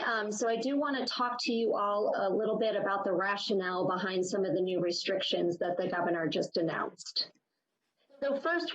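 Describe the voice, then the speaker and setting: A woman's voice: mid-range voice, breathy edge. An American woman speaking as a health official at a formal briefing, serious and explanatory, on slightly muffled audio.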